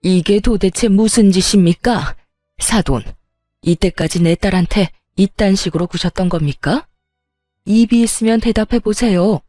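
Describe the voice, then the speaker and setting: A woman's voice: medium pitch, moderate pace, warm tone, dry recording, clean studio sound, soft background music, lightly acted. A woman voicing a stern, protective middle-aged mother confronting someone, in a story drama. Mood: indignant. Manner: stern, demanding.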